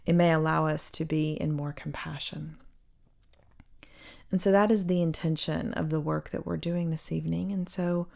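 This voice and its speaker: Woman doing guided meditation, low gravelly fry in her voice, gentle and hushed, lots of pauses. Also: fairly even intonation. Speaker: meditation guide and sound healer. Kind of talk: guided meditation, spiritual talk.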